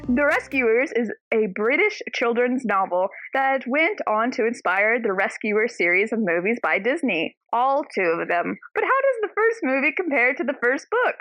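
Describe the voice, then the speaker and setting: A woman co-hosting a casual book club podcast, bubbly and animated with quick asides. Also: a little high, dry recording, soft background music. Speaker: podcast co-host. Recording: dull lo-fi dry sound.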